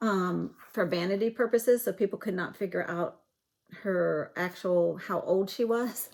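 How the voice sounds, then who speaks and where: Dark, mellow female voice with vocal fry, a relaxed tone, ordinary pitch variation and a fairly slow pace, on a very clean recording with a silent background. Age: 60s. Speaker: cross stitch video creator. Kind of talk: casual show-and-tell vlog. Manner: relaxed, chatty with fillers.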